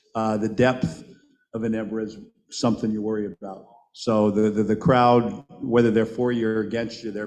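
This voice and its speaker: Against a quiet background, a man talks at a moderate pace with a fairly low pitch and monotone, flat intonation. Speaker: basketball head coach. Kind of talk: press conference. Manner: talkative.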